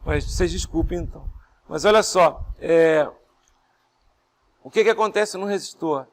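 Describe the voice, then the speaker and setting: A hoarse male lecturer teaching a class. He goes step by step, asks his students questions, and speaks softly with pauses for breath. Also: fairly high pitch. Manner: speaks softly and not fast, pausing to breathe. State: hoarse, voice strained after illness. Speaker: university lecturer.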